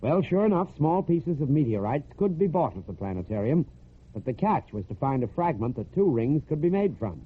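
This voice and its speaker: A man's voice: on the high side, big pitch swings, moderate pace, husky. American man telling stories on tinny old radio. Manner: folksy, conversational storytelling. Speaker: radio host and storyteller. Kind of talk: scripted narration of human-interest stories for old military radio.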